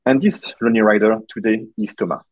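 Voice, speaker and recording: A man from France with a French accent, presenting a conference tech talk over a video call, pausing often with fillers. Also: on the low side, steady tone, dry recording. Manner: hesitant, many uh fillers. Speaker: conference speaker. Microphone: video call webcam. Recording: dull dry lo-fi call audio.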